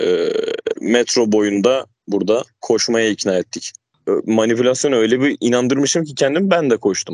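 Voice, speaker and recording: Recorded dry and close with no echo, a man with a normal speaking voice talks at a medium pitch and moderate pace with ordinary pitch variation. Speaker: engineering student, listener guest. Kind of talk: casual chat.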